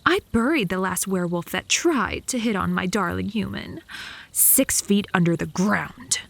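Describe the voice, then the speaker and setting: In a comedic ASMR roleplay, a woman plays a possessive, lovesick, bratty vampire, haughty and theatrical, switching between flirting and threats. Her voice is fairly high and animated, delivered at a measured pace. The recording is dry.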